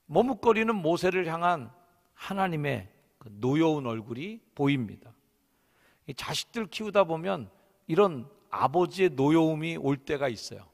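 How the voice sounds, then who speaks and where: Animated Korean pastor, gravelly, in a reverberant church. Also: male voice, fairly high pitch, normal speed. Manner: animated, acts out the voices in his stories. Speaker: senior pastor. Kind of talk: sermon.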